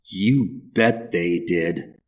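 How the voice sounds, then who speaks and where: A man's voice: lowish voice, animated, measured pace, recorded from a distance. A man voicing a cheerful, red-haired young man with an American accent, breezy and eager.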